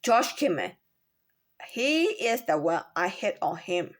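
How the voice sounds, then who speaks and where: A woman with a Chinese accent gives a halting personal account of a workplace complaint, often repeating words and asking rhetorical questions. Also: mid-range voice, big pitch swings. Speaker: former store employee.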